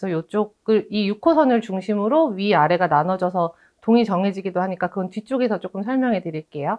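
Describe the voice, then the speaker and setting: A woman at medium pitch, with lively intonation, a fairly quick pace and hardly any pauses. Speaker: real estate agent. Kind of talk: presentation.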